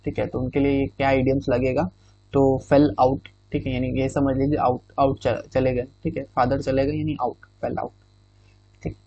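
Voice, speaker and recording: A man's voice: medium pitch, mellow, dry recording. A male exam-prep teacher explaining idioms in Hindi with English phrases, often checking in with "theek hai". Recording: dull, muffled recording.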